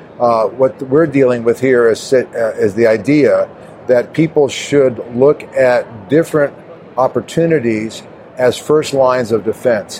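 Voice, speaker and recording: At a fairly slow pace, a man speaks in a medium pitch with ordinary pitch variation and very even loudness over noticeable background noise. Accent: American. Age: 70s. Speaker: herbal medicine expert. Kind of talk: interview. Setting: trade show floor.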